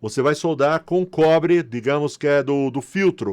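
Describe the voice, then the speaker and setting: Against a quiet background, a man speaks at a fairly slow pace in a fairly high pitch. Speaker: refrigeration instructor. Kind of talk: tutorial. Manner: casual; soft-spoken.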